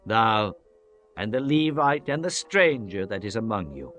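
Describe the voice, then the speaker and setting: Male audiobook narrator for scripture: solemn, measured, declamatory, mid-range pitch, faint music underneath. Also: fairly bright tone. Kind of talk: dramatized scripture reading, archaic English. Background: background music.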